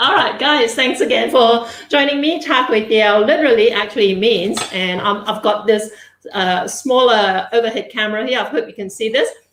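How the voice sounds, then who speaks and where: At a moderate pace and a fairly high pitch, a woman talks with ordinary pitch variation amid audible room echo and noticeable background noise. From Malaysia, Seremban. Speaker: chef. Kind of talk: live cooking demo. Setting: live video stream.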